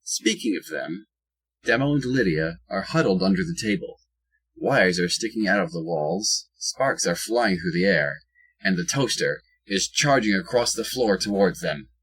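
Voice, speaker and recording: A man's voice: sits low, a bit bright, husky, rough recording. A man narrating a scripted audio drama as its storyteller.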